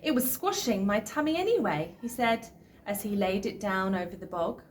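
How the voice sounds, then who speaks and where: A woman reading a children's picture book aloud, deliberately, as a storyteller. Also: medium pitch, expressive, slight background noise. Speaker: school staff member reading a picture book.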